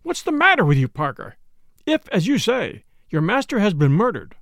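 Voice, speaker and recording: Man playing a brisk, commanding doctor, animated pitch. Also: vocal fry, no echo, clean studio sound, full character voice. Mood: sharp, demanding. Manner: commanding, sharp, insistent. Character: male village doctor, urgent, brusque and uneasy. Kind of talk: audiobook character dialogue.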